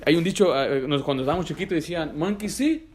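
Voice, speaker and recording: A man with a high-pitched voice preaching in a church, pressing his listeners with pointed rhetorical questions. He speaks in an emphatic, direct way and slips English phrases into his sermon. He sounds middle-aged. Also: lively intonation, quick pace. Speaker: pastor.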